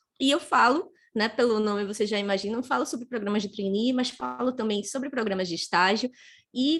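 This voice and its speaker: A woman speaks with a Pernambuco accent at a very fast pace. Her fairly high voice carries lively intonation. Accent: northeastern Brazilian (Pernambuco). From Pernambuco, Brazil. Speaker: career speaker and HR recruiter. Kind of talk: live online talk. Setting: online livestream. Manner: animated.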